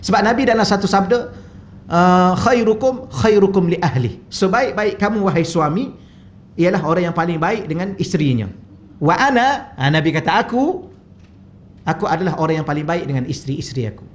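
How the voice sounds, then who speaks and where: Using a wireless mic in a mosque hall, a Malaysian Malay-accented religious teacher delivers a funny, talkative lecture packed with anecdotes. He speaks with a high, expressive voice at a moderate pace, and the audio is slightly dull and lo-fi.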